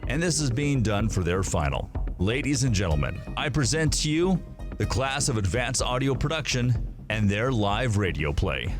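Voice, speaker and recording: A man working as a radio announcer, formally introducing a live show. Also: on the low side. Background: music.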